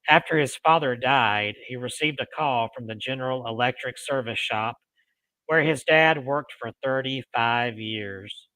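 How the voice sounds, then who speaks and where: A man hosting a paranormal show, reading ghost stories aloud in deliberate phrases with casual asides. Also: mid-range voice, pushed and bright, dry recording, poor audio. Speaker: host of a paranormal storytelling show.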